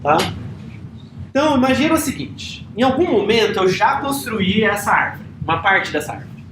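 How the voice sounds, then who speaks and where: A man's voice: high-pitched, sing-song, normal speed, noisy background. Man lecturing in an echoey classroom. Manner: casual, checks in often with the class. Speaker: university lecturer.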